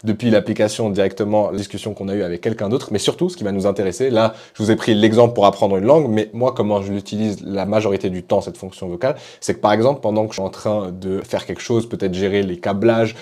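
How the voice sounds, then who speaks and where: Fast-talking enthusiastic man demoing apps. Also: fairly low pitch, steady tone, dark tone. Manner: enthusiastic, casual. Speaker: tech YouTuber. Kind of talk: app tutorial.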